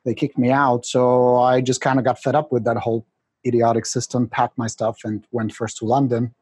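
A man's voice: medium pitch, little pitch movement, moderate pace, darkish tone, slightly rough, no echo. A middle-aged man with a Czech accent, a podcast guest who chats energetically, jokes about himself and laughs often. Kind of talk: casual interview chat.

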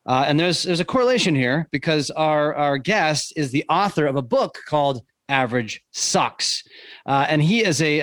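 A man's voice: fairly high pitch, dry recording. Nasal, congested man hosting a podcast. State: has a summer cold. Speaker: podcast host.

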